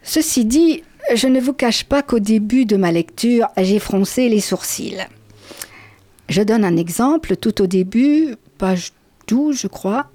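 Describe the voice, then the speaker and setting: Female book interviewer, mellow, slightly high, dry close sound. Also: expressive, takes it slowly, no room sound. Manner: reads quotations aloud, warm praise. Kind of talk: literary interview.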